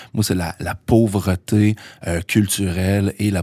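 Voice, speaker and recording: A man's fairly slow, monotone, flat delivery, dry and close with no echo, on a very clean recording with a silent background. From Quebec, Trois-Rivières. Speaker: author and slam poet. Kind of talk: interview.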